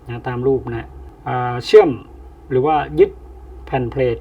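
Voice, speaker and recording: A man teaching an engineering problem step by step, pausing often with fillers as he explains. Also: mid-range voice. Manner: slow, explains with many pauses and fillers. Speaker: engineering tutor. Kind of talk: step-by-step lecture. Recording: distant, dull lo-fi mic.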